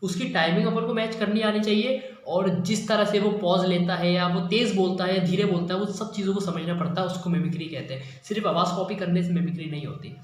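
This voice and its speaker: A man's voice: high voice, steady tone, a little fast, few pauses. A man casually teaching mimicry in a rambling, self-deprecating, apologetic way. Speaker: mimicry tutorial YouTuber. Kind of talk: casual spoken tutorial. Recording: very echoey room, faint noise.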